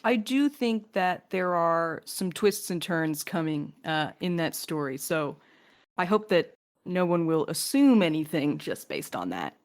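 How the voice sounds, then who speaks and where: A woman with a voice a little on the low side co-hosts a podcast. She talks in a casual, conversational Q&A style. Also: big pitch swings, a little slow. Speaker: podcast co-host and writer.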